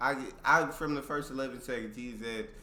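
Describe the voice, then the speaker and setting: With an American accent, a man speaks at a moderate pace with ordinary pitch variation. His tone is bright and sharp, and the room echo is audible. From United States. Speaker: YouTube reaction creator. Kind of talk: casual reaction commentary. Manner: casual, conversational.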